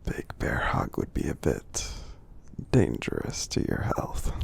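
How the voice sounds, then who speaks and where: A man voicing a friendly, gentle giant in an ASMR roleplay, tender and encouraging, in a breathy, gravelly whisper with slow, soothing, halting delivery. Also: sits low, huge pitch swings, a little hiss or hum, exaggerated voice. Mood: affectionate. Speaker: ASMR performer.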